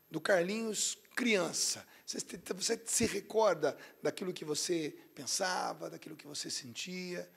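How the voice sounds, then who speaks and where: Raspy-voiced TV host, gravelly and emphatic. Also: male voice, high-pitched, fairly bright tone. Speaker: TV program host.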